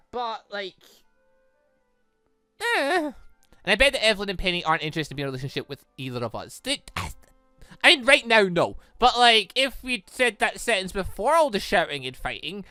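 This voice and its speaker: A gaming host with a bright, lively voice that swings widely in pitch. The delivery is casual and rambling, full of animated exclamations. The sound is close and dry, with music underneath. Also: no echo. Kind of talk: casual playthrough commentary, reading visual novel dialogue aloud.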